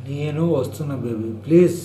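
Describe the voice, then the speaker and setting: A woman's voice: low-pitched, a little fast, a crowd in the background. A woman talking informally in a private phone conversation. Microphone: phone call. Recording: echoey, noisy leaked phone call recording.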